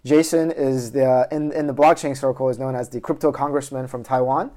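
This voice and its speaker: A man interviewing guests at a conference, chatty and asking quick follow-up questions. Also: mid-range voice, fairly even intonation, mellow. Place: conference venue.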